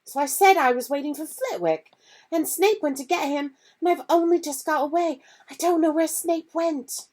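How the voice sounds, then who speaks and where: A woman reading aloud voices an earnest, anxious young schoolgirl who sounds high and pleading. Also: expressive, normal speed, a little mellow.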